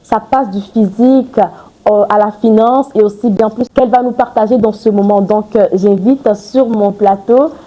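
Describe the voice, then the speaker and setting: A chatty woman hosts a podcast in a warm, mellow voice. She talks in loose, gushing runs full of fillers and restarts. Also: mid-range voice, steady tone, normal speed, low-quality recording. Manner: chatty, effusive, many fillers. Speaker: podcast host. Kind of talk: casual interview chat.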